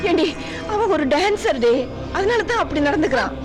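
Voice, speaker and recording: A woman's voice: very high voice, big pitch swings, normal speed, over music. An actress playing an anxious mother who scolds and begs her daughter to go through with the wedding. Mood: scolding, begging. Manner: scolding, begging. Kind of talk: film drama acting. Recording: loud film score under voice.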